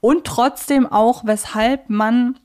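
A woman's voice: on the high side, steady tone, takes it slowly, darkish tone. A woman co-hosting a talk podcast, reflecting aloud in a conversational, analytical way and explaining her view point by point. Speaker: podcast co-host.

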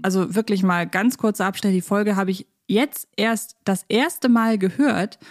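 A woman's voice: medium pitch, normal speed, dry recording, studio quality. A woman in casual podcast conversation, chatty and articulate, freely giving her opinions. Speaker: podcast co-host. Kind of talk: casual unscripted podcast chat about audio dramas.

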